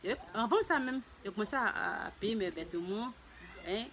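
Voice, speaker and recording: Halting, word-repeating woman vlogger. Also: medium pitch. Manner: halting, repeats words and restarts often; voices other people's lines in a raised, lively tone. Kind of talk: casual personal testimony to viewers.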